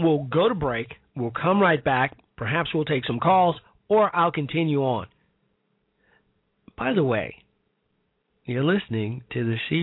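In an American accent, a man speaks at a fairly slow pace with lively intonation, vocal fry and a slightly husky edge.

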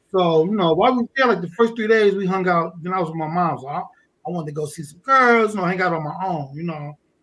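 A high-pitched man with an American accent, very fast, with big swings in loudness. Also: ordinary pitch variation. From New York, Brooklyn. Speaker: Coast Guard veteran, diver and pilot. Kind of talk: casual podcast interview. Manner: animated.

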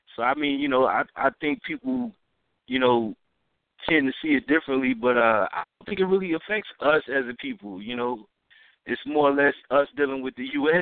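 Speaking with an American accent, a man uses lively intonation at a fairly high pitch and a moderate pace. It is a normal speaking voice. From US South. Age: 40s. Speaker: social worker. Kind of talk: casual chat.

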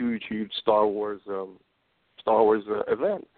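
Speaking at a moderate pace, a man with a New York accent keeps a medium pitch and fairly even intonation. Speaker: cosplayer and musician. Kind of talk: casual chat. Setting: radio show.

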